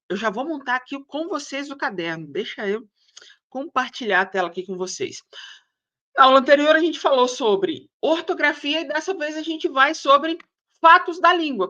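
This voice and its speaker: A woman walks through practice questions in a casual, chatty way, often pausing to think out loud. Her voice is bright and forward and sits a little high. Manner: chatty, thinks aloud, keeps asking "tá?". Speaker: exam prep teacher. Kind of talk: screen-share lesson.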